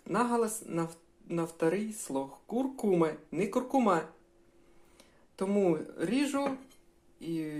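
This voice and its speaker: With a low-pitched, darkish voice, this older woman cooks and samples dishes at home. She's a home cooking vlogger, talking casually and passing along homely tips to her viewers.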